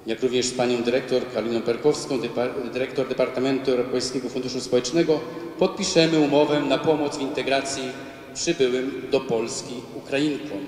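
Priest speaking to the congregation; slow and formal, picked up far off in a reverberant church. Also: male voice, mid-range voice, steady tone, darkish tone. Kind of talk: speech to a congregation.

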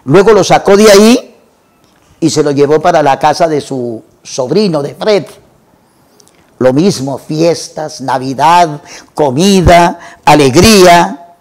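A man retelling a classic novel for a literature program, in a measured way and lingering over lists. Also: fairly high pitch, darkish tone. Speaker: literature presenter.

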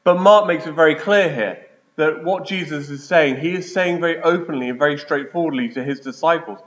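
A man, a priest, reading the gospel and preaching in a measured liturgical way, his voice ringing with the echo of a large church. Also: a little high, a bit bright. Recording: echoey church, dull lo-fi sound.

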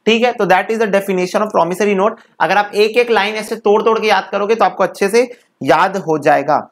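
A man's voice: high-pitched, normal speed. A man teaching an exam-prep law lecture, breaking definitions into phrases and asking his students to repeat them, then asking and answering his own questions.

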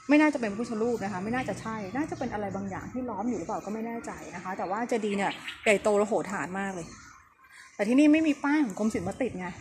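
A soft-spoken woman with a medium-pitched voice vlogs outdoors, giving a casual, chatty tour of a temple while keeping her voice down. The sky is overcast and the outdoor recording is noisy.

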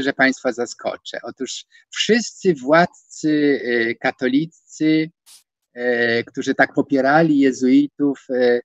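A man in his sixties giving an online lecture from a home study, hesitating with many fillers and stressing words with rising pitch. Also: no room sound. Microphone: video call. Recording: dull, dry video-call audio.

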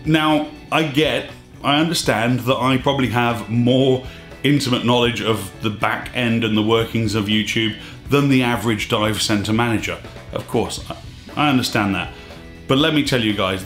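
A man in his thirties hosts a scuba diving vlog, speaking emphatically and a bit exasperated while gesturing with his hands. His slightly hoarse voice is medium in pitch and fairly bright, and the small indoor studio echoes with faint music behind his opinionated take.

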